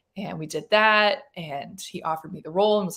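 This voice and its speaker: A woman with an American accent at a moderate pace, ordinary pitch variation, on a very clean recording with a silent background. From US Midwest, Omaha, Nebraska. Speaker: actress and touring musician. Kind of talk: interview.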